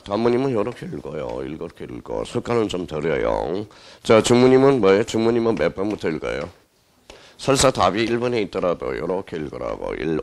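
A man's voice: deep voice, creaky, a little mellow. A male exam-prep lecturer teaching a class, who asks the students questions, answers them himself and repeats the key words.

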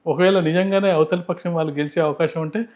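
Fast-talking, higher-pitched man analysing politics. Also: steady tone, darkish tone. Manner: emphatic, explanatory, repeats phrases for emphasis. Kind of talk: unscripted political commentary in an interview.

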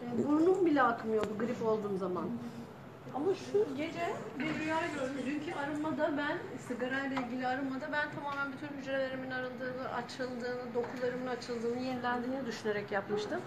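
High-voiced woman sharing her story eagerly. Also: a little fast, background noise. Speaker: seminar participant. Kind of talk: personal testimony.

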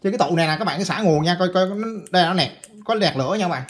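A man's voice: sits high, lively intonation, very fast. A man giving a casual hands-on electronics repair tutorial, chatty and repeating phrases as he talks to viewers.

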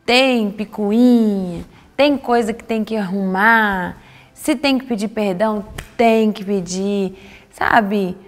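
A woman's voice: mid-range voice, slow, big-room sound. A woman in a documentary interview, talking emphatically about her father. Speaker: interviewee, daughter of a pastor.

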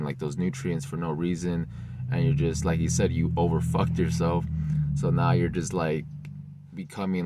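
A young man giving casual reaction commentary to camera, talking haltingly with lots of "like" and "you know", recorded inside a car. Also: sits low, no room sound. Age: young adult. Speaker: vlogger.

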